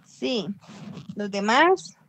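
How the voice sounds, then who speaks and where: A woman's voice: on the high side, expressive, very slow, fairly bright tone. A woman teaching an online English grammar class, explaining rules patiently, repeating herself and checking that students follow.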